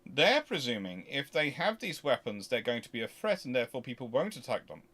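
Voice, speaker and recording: A man hosts a casual, unscripted question-and-answer commentary, thinking aloud haltingly and growing emphatic as he explains. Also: medium pitch, big pitch swings, a bit bright. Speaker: history channel host answering viewer questions.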